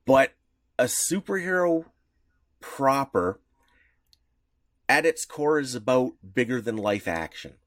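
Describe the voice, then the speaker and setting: A man co-hosting a casual podcast, explaining in a rambling, halting way full of restarts. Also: medium pitch, expressive, no echo, studio quality. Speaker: podcast co-host.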